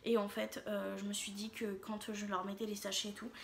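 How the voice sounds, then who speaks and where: In a shopping haul vlog, a woman chats casually with her viewers, rambling with frequent hesitations and fillers. Her mid-range voice is gravelly, a little fast, and shows little pitch movement, with slight background noise.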